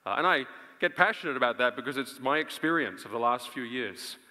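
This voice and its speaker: Bright-voiced preacher in a big hall. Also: male voice, medium pitch, expressive. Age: 30s. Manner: earnest, emphatic, dramatic pauses. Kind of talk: live conference sermon. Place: on stage in a large theatre before an audience. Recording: reverberant large auditorium sound.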